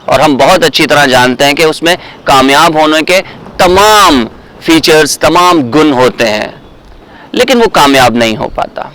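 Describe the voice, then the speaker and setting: A man with a Pakistani accent presenting in a theatrical, emphatic and deliberate way, like a dramatic poetry reader. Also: on the high side, lively intonation, fairly bright tone, poor audio.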